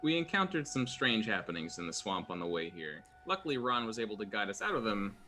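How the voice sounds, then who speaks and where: A man playing a tabletop game, speaking politely and in measured tones in character. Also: on the low side, big pitch swings, music in the background. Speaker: player. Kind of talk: tabletop role-play.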